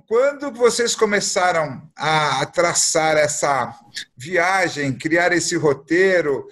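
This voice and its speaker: A man's voice: on the high side, expressive, takes it slowly, a bit bright. A man in his fifties from Brazil, hosting a video call interview, asking open questions and giving short replies of agreement, heard through a webcam microphone. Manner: asks questions and backchannels briefly.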